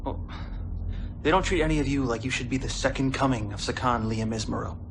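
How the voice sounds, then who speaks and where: A man playing a cocky, rebellious young cadet hacker in a video game cutscene, with a gravelly, flippant delivery. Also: medium pitch, a little fast, noisy background, close to an everyday voice. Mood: defensive. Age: young adult. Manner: flippant, boastful.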